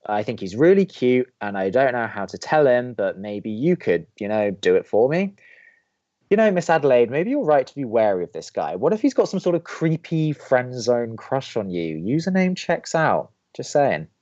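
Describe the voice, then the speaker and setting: A man's voice: mid-range voice, very animated, moderate pace, a little mellow, dull audio, lightly acted. A young man playing a sardonic, reluctant college radio co-host in an audio drama, with a dry, skeptical, pedantic way of talking. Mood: dry, mocking. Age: young adult. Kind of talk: scripted audio drama banter.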